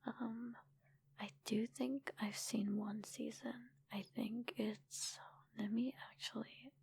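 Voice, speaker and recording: A woman chatting casually in a soft, breathy ASMR whisper, informal and rambling, close to the microphone. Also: on the high side, level tone, slow pace, dry recording. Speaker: ASMR creator and streamer answering viewer comments.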